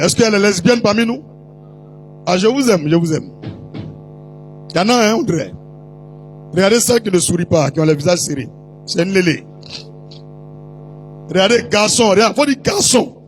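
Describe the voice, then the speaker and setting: A high-pitched male preacher holds forth in an animated, teasing storytelling sermon. He breaks into put-on voices and sudden shouts. Soft music plays faintly behind him.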